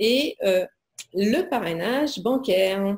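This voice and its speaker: A woman with a fairly high pitch and ordinary pitch variation speaks in an unremarkable speaking voice. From France, Cher (near Sancerre). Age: 40s. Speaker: management consultant. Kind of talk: interview testimony.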